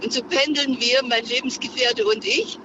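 A woman's voice: a little high, normal speed. An older woman calling a radio show from her car, telling a story earnestly with many hesitations. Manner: earnest, searching for words with many fillers. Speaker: caller. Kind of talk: phone-in storytelling. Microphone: phone. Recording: muffled phone line with car noise.

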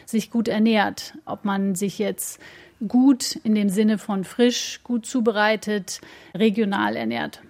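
A woman's voice: mid-range voice, steady tone, slow, creaky, a little mellow. A woman whose first language is English, a food blogger answering radio interview questions thoughtfully, searching for words with fillers. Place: on location by a lake.

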